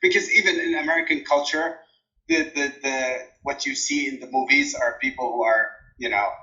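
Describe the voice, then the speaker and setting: A man whose first language is Arabic, from Jordan, speaking in a relaxed interview with many fillers and restarts. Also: mid-range voice, moderate pace, muffled recording. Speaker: interview guest, dissertation coach.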